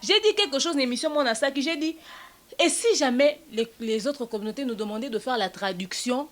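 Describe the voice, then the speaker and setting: A woman hosting a casual web show, talking in an indignant, animated way and mixing French with Lingala. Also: high-pitched, brisk. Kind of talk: casual chat.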